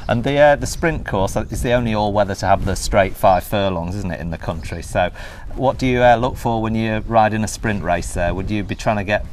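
A man's voice: on the low side, a little fast, a little hiss or hum. A middle-aged man hosting an interview in an outdoor stable yard, chatty and full of "yeah, yeah". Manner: chatty, frequent "yeah, yeah" and "mm-hmm".

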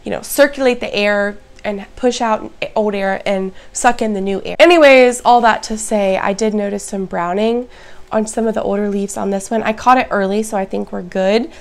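A woman chatting casually to her viewers in a plant vlog, her voice hoarse and raspy. She is upbeat and talks to the audience directly. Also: medium pitch, steady tone, moderate pace. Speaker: plant vlogger. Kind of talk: casual show-and-tell vlog.

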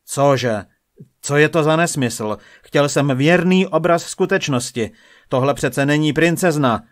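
A man's voice: on the high side, pitched above the performer's own voice, close to an everyday voice. A man voicing an angry, proud king who raises his voice in indignation. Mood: indignant.

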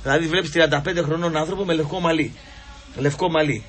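High-voiced man, rambling sports radio host. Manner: rambling, teasing, mocking and animated, with lots of fillers. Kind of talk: casual sports radio chat.

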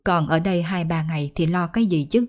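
A woman storyteller narrating a folk ghost story in a measured, even way. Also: lowish voice.

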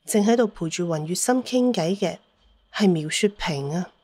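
A woman's voice: lowish voice, animated, normal speed, warm tone, breathy edge, dry recording. Woman narrating, dry close sound. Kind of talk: scripted audiobook storytelling.

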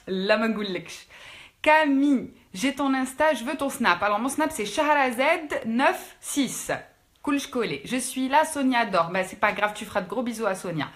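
A young Algerian woman, an actress, chatting fast and casually with fans in a live stream, switching languages. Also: sits high, animated, fairly bright tone. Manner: quick, chatty, mixing French with Algerian Arabic. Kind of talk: casual live-stream chat reading out comments.

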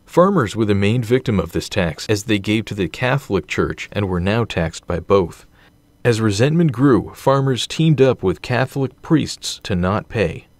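A man giving scripted, measured narration for a history documentary, reading dates and figures evenly. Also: lowish voice, expressive, dry recording.

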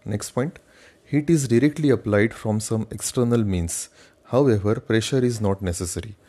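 A man's voice: lowish voice, moderate pace, mellow. A man giving a methodical slide lecture, reading each point and then restating it in his own words. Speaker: engineering lecturer.

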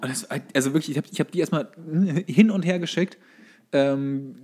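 A man's voice: on the high side, a little fast, a little mellow, husky. A man co-hosting a podcast, telling anecdotes in a colloquial, conversational way. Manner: colloquial storytelling. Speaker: podcast co-host. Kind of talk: casual chat, anecdotes.

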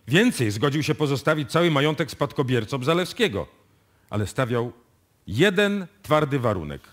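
An actor playing a confident police detective who deliberately lays out a case in a radio play. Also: male voice, mid-range voice, lightly acted. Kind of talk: live radio drama acting in Polish. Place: radio music studio, performed live before an audience.

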